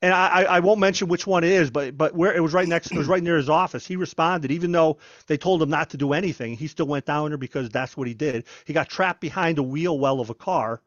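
A man, a former federal agent, telling stories in a conversational interview, animated and often repeating and restarting his words. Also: a little high, fast talker, hardly any pauses, dry recording, muffled recording. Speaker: guest, former FBI agent. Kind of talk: conversational storytelling.

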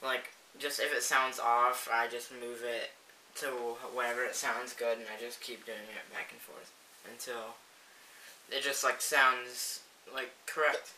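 A man's voice: mid-range voice, flat delivery, measured pace, sharp tone. A man as a guest in a casual chat, explaining things hesitantly and rambling with many fillers. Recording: roomy, distant mic, faint hiss.

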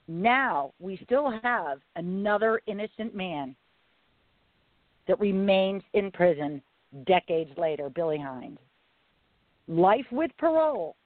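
A woman hosting a live talk radio show in a low, raspy voice, speaking deliberately and leaning on phrases for emphasis. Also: no room sound. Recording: tinny phone-line radio audio.

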